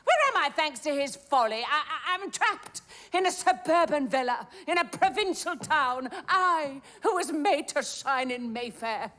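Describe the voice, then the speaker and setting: A woman's voice: high-pitched, expressive, normal speed, hardly any pauses, a bit bright. An actress playing a snobbish middle-aged mother with grand airs, speaking in a haughty, theatrical way. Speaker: mother in a stage drama.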